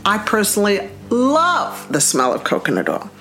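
A woman's voice: mid-range voice, huge pitch swings, normal speed, fairly bright tone, soft background music. Enthusiastic woman doctor on a podcast. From Cuban heritage. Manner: enthusiastic, emphatic, repeats words for stress. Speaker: podcast host, medical doctor. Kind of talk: health podcast talk to listeners.

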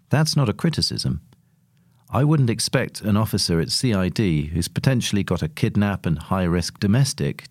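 A man's voice: deep voice, darkish tone. A man reading a scripted long-form article as narrator.

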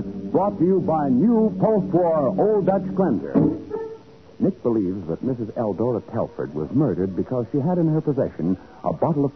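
Animated male vintage radio announcer over music. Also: medium pitch. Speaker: announcer and narrator. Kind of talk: scripted 1940s radio narration. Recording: narrow old 1940s radio broadcast.

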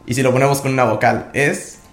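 A man teaching a language lesson, calmly explaining each sound step by step. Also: medium pitch, fast talker, soft background music. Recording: echoey room.

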